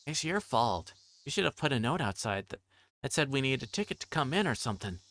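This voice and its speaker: A man's voice: mid-range voice, sing-song, fairly quick, fairly bright tone, pitched above the performer's own voice. A man voicing a pushy, gushing woman customer who talks in a chatty, familiar way, in a visual novel. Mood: indignant.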